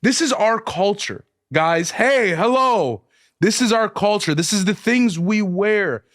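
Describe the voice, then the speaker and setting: Passionate man, slightly high voice. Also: expressive, fairly bright tone, no echo, clean studio sound. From United States. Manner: passionate, drawn-out emphasis, says "dog" and "man". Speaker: guest musician. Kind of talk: casual podcast conversation.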